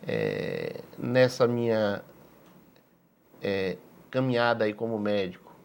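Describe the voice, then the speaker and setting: Halting Bahian doctor in his sixties. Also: fairly low pitch, creaky, darkish tone, slight background noise. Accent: Bahian Brazilian Portuguese. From Salvador, Bahia, Brazil. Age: 60s. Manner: measured, halting, with repeated words and frequent tag questions. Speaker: physician, interview guest. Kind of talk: studio interview answers. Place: TV studio.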